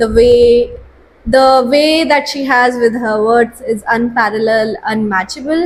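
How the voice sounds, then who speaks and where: A woman with an Indian accent speaks at a fairly slow pace. Her voice is high, with ordinary pitch variation. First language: Hindi. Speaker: book reviewer. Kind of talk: book recommendation video.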